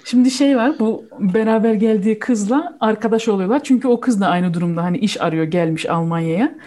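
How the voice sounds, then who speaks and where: Mellow woman chatting casually. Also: mid-range voice, brisk. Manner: switches between Turkish and German mid-sentence. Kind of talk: casual chat, explaining a film.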